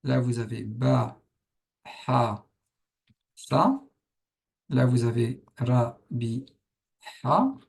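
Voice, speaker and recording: Gravelly-voiced man teaching a lesson. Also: mid-range voice, expressive, very slow, long pauses. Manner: patient, thinks aloud while writing. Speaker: Arabic teacher. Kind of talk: explaining a writing lesson.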